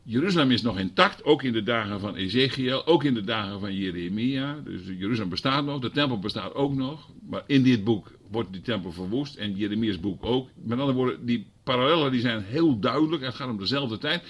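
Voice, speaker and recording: Husky guy preaching, voice rising and falling a lot, asks the room questions. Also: mid-range voice, animated, fairly quick, hardly any pauses. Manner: swings from quiet explaining to loud fervent preaching; asks the congregation rhetorical questions. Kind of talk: sermon.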